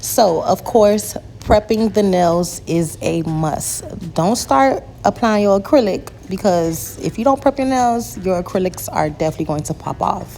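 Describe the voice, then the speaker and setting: Over noticeable background noise, a woman speaks fairly slowly. Her medium-pitched voice has lively intonation. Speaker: nail technician. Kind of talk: tutorial voiceover. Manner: casual, chatty.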